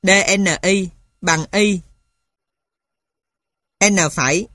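A woman's voice: mid-range voice, very slow, a bit bright, no room sound, clean studio sound. A woman reading a textbook aloud in a dictating manner, spelling out each item piece by piece as scripted narration. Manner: dictating, spelling out formulas and punctuation symbol by symbol. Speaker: reader of a mathematics textbook.

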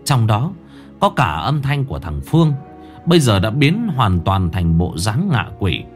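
A man's voice: fairly low pitch, sing-song, a little slow, soft background music. A man narrating a ghost story in a dramatic storytelling manner.

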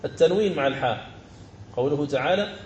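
A man teaching the rules of Quran recitation, explaining each rule and then slowly chanting verse examples. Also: a little high, expressive, darkish tone, echoey room, slight background noise. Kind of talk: tajweed lesson with chanted examples.

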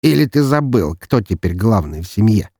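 Audiobook: male narrator playing a lazy, menacing young aristocrat, a little higher than his narration, husky. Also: very animated, moderate pace, warm tone, no room sound, studio quality. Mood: mocking. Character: cruel young nobleman's son, lazy and menacing.

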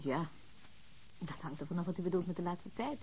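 Female radio-drama role: office secretary, formal, composed and factual, with a husky edge. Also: on the low side, a little fast, a little mellow, poor audio. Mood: matter-of-fact. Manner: formal, matter-of-fact. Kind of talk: Dutch radio drama dialogue.

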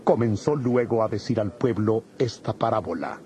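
A man narrating a dramatized audio Bible from a script in a husky, mellow voice. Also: on the low side, expressive, moderate pace. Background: music.

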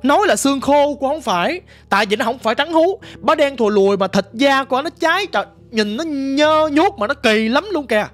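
A woman's voice: sits high, lively intonation, fairly quick, few pauses, faint music behind. A woman with a Southern Vietnamese accent telling her ghost story in a vivid, dramatic, casual way, talking straight to the listener. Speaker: storyteller guest.

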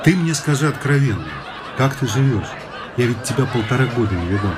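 An actor playing a worldly bachelor friend in a radio play, matter-of-factly lecturing against marriage. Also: male voice, mid-range voice, animated, a little fast, a crowd in the background, noisy background, close to an everyday voice. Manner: lecturing, confiding, matter-of-fact. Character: worldly bachelor friend, sober-minded young man.

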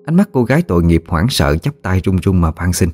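A man narrating a scripted ghost story in a steady storytelling manner. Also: low-pitched, fairly quick, faint music behind.

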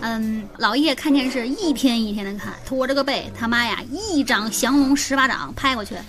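Bright-pitched woman radio host with a lively storytelling delivery and music underneath. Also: normal speed. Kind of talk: radio comedy chat. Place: radio studio.

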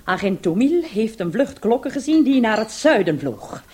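A woman's voice: on the high side, sing-song, moderate pace, dark tone. An actress playing a self-assured female police commissioner in a radio play, with a dry, authoritative manner. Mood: businesslike.

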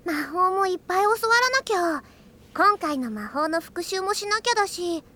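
Bright, very high-pitched young girl. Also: animated, normal speed, heavily acted. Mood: eager, curious. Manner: childlike, earnest, sweet. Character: cheerful, eager young girl learning to be a magician. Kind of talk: Japanese anime audio drama acting.

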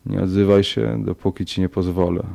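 A man voicing a calm, smug man who gives a demon quiet but firm orders in a horror audiobook. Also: low-pitched, a little fast, gravelly.

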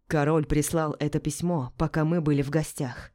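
A weary aristocrat answers in an icy murmur, as a woman narrating a storybook puts him on. The voice stays low, quiet and flat, with a dark, mellow tone. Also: moderate pace, lightly acted. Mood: cold. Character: cold, weary aristocratic husband.

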